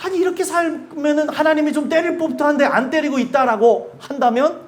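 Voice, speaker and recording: A male pastor preaching a sermon in a church, animated, asking the congregation questions and laughing between points. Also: very high-pitched, fairly quick. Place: church sanctuary.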